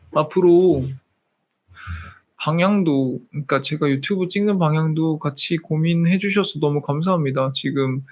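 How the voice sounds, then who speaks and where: A 30-year-old man hosting a live stream, chatting casually with viewers and slipping between polite and informal speech. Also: fairly high pitch.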